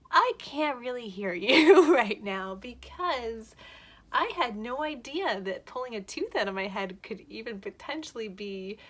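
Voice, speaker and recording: A woman's voice: mid-range voice, a bit bright. A woman telling a personal story to camera in a chatty, candid way, laughing often, shaken by vertigo. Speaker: vlogger.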